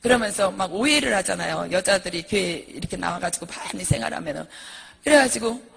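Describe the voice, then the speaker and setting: A male preacher telling a dramatic, emotional story in a sermon, with a gravelly, husky voice. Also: high-pitched, animated, brisk, in a large hall, noisy background. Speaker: preacher giving a testimony.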